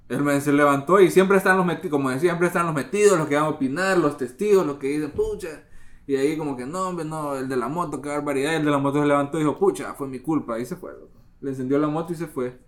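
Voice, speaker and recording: A young man, a podcast host telling relaxed, slangy stories in casual chat. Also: fairly high pitch, fast talker.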